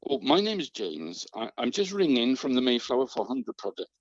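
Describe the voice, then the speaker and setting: Anxious British man, acted, earnest, polite, lively pitch, dry, slightly muffled sound. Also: normal speed, dry recording. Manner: hesitant, worried, polite. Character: anxious, earnest male events project worker. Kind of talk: radio drama.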